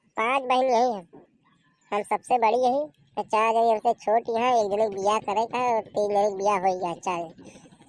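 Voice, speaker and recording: This cartoonish character voice moves at a moderate pace with fairly even intonation. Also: woman, fairly high pitch for a woman. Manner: homely, talkative.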